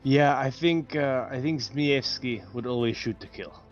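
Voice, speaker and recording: A man's voice: medium pitch, measured pace, faint music behind. A man chatting casually as a player in a tabletop game, on dull lo-fi audio.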